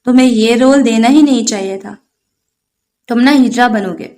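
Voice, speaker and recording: A woman voicing a touchy young woman who snaps quickly, in a sharp tone. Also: on the high side, natural voice. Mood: angry.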